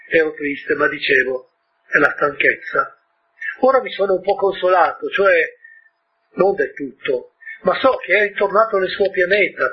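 A man with a husky, slightly high voice retells a story to an audience. He keeps stopping to question his listeners and add informal asides. The recording is dull and lo-fi.

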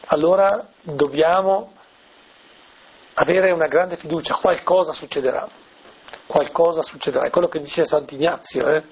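A man's voice: sits high, gravelly, husky. A man, a priest, explaining a scripture passage in a teaching talk, asking rhetorical questions and tagging lines with "eh?". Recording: dull lo-fi recording.

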